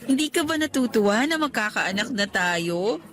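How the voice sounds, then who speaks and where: A woman's voice: on the high side, lively intonation, moderate pace, fairly bright tone, soft background music. A woman with a Filipino accent acting as a loving, teasing and direct young girlfriend in a radio romance drama. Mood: excited, expectant.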